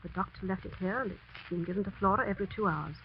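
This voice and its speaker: An actress playing a cold, scheming school housekeeper in a 1940s radio mystery drama, talking in a defensive, haughty way. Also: female voice, medium pitch, fast, slight background noise, natural voice. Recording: dull lo-fi 1940s radio broadcast.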